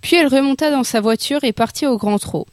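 A woman narrating a classic story in a flowing, even manner. Her voice sits fairly high and is recorded close and dry. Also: brisk, dry recording. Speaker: audiobook narrator. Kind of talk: literary audiobook reading.

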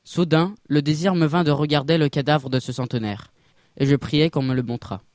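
A man narrating a classic story in a measured, literary reading voice. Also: fairly high pitch, steady tone, darkish tone, no echo, clean studio sound.

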